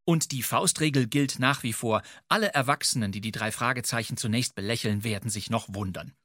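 Husky man narrating in a dry room. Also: mid-range voice, brisk, pushed and bright, no echo. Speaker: podcast co-host. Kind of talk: scripted, playful narration.

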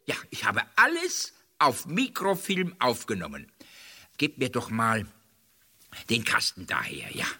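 Absent-minded old archivist for a radio drama: piercingly bright, gravelly, muttering then exclaiming. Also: male voice, mid-range voice, huge pitch swings, measured pace, exaggerated voice. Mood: absorbed, muttering. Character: scatterbrained, excitable elderly male archivist. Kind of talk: 1970s-80s German radio play acting.

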